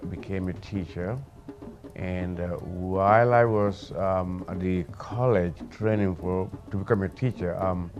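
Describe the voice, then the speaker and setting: Music plays behind a man whose very deep, low voice keeps a fairly even intonation. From Gambia, West Africa. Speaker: university professor and community activist. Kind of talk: interview answer.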